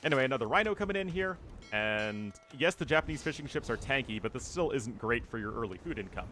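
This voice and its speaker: A man commentates a live strategy game match in a relaxed, chatty way, breaking off to answer chat. His voice sits at an ordinary middle pitch. Faint music plays quietly underneath. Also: fast talker. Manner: casual, chatty, thinks aloud with fillers. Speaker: streamer and caster.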